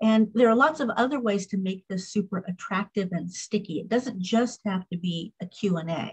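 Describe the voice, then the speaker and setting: The woman's voice is somewhat breathy. She keeps a moderate pace. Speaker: marketing coach presenter. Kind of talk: webinar presentation. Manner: animated.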